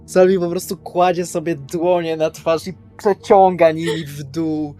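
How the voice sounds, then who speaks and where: A man's voice: a little high, little pitch movement, a little slow, dark tone. A man in a tabletop role-playing game, speaking colloquially and wryly as he improvises and narrates his character. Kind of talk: improvised in-character chat and third-person narration. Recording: music under the voice. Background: background music.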